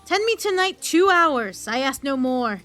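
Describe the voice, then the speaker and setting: A woman's voice: high voice, sing-song, unhurried, a bit bright, faint music behind, heavily acted. A woman acting a weary, honour-bound military leader in a Shakespearean audio drama, with stately, declamatory delivery. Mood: solemn, wistful.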